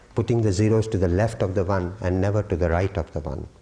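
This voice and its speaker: Somewhat breathy and dark, mellow in tone, a man's fairly low voice moves at a fairly quick pace with ordinary pitch variation. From India. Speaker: merchant seaman; storyteller. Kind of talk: spiritual talk to a retreat audience. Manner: humorous.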